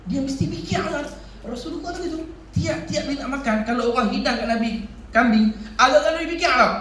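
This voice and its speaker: A man's voice: extremely high pitch, a little fast, a little hiss or hum. A man preaching in a village prayer hall, telling stories with humor and acting out quoted speech. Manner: animated storytelling with laughter and acted quotes. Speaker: religious teacher. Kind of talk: village mosque sermon. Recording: echoey hall, speaker far from mic.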